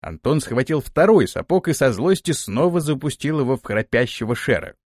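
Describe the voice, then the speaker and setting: This expressive male narrator reads a scripted audiobook in a mid-range voice at normal speed. The studio-quality recording has no echo.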